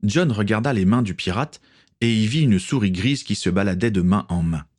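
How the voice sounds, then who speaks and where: A man narrating an audiobook adventure in an expressive, measured way. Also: fairly low pitch.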